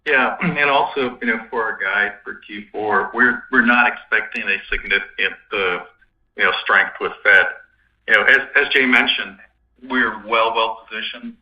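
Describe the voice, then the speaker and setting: Halting, lowish-voiced male finance executive, echoey. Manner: halting, repeats himself, frequent "you know". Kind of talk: spontaneous cautious answer on an earnings call. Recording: roomy, distant, dull conference-call audio.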